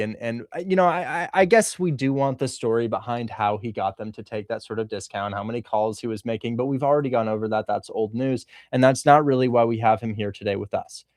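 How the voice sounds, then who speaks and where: A man's voice: mid-range voice, a little mellow, no echo. Dry-sounding man hosting a live call. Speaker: host, wholesaling coach. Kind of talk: livestream interview.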